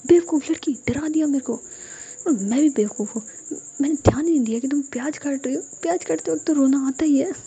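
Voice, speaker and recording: A woman's voice: sits high, fast talker, mellow, voice pushed up. A woman voicing an affectionate young woman who fusses and scolds fondly. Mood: flustered.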